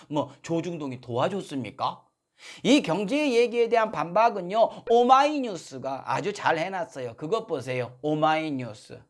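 Sarcastic man, lively pitch swings. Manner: sarcastic, mock-polite, with rising indignant outbursts. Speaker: political commentary host. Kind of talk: satirical political monologue.

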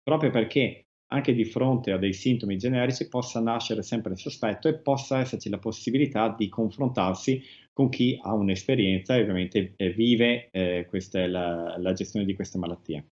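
A man speaking as an expert guest in a TV interview, measured and hesitant, with frequent restarts. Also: fairly low pitch, darkish tone, dull audio. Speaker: guest expert on rare diseases. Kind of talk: TV interview answers.

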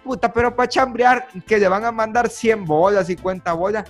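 A man's voice: high voice, normal speed, soft background music. A young man with a Salvadoran Spanish accent, hosting a podcast in casual, slangy, joking chat. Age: young adult. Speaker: podcast host. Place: small room at home, indoors. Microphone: desk microphone with headphones.

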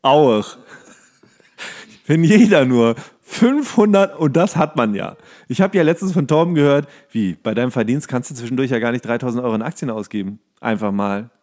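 A man's voice: mid-range voice, lively intonation, normal speed, darkish tone. A man co-hosting a podcast in casual comedic banter, rambling along in a jokey, mock-serious way. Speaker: podcast co-host.

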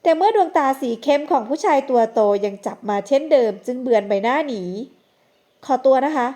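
Woman narrator for an audio novel, high voice, measured and expressive delivery. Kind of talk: scripted narration.

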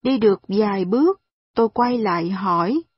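Woman reading a novel, calm and steady, husky voice, muffled dry audio. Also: medium pitch, normal speed, dry recording. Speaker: audiobook reader.

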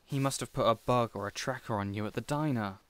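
A man's voice: medium pitch, quick pace, fairly bright tone, clean tone, lightly acted. A man playing an earnest, protective supervillain boss in an audio roleplay, dramatic and easily exasperated. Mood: indignant, exasperated. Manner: earnest, exasperated, wholesome mild oaths. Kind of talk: audio roleplay addressed to the listener.

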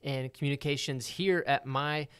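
A man's voice: medium pitch, steady tone, normal speed, a bit bright, clean tone. Podcast cohost guy, easygoing and jokey, clean resonant voice. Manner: joking, easygoing questions. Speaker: podcast co-host. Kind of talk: casual interview hosting.

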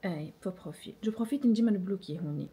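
Mellow-voiced Tunisian woman vlogger. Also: mid-range voice, racing. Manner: reflective, switching freely between Arabic, French and English. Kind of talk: casual chat answering viewer assumptions.

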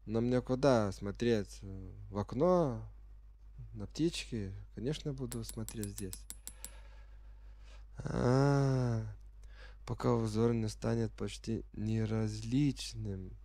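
A sick man speaking as a non-native speaker, giving halting, unsure commentary as he plays a game for the first time and reads the menus aloud. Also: mid-range voice, mellow, dry recording. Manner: reads game menu text aloud while puzzling over it. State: sick with a virus. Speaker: gamer playing on camera.

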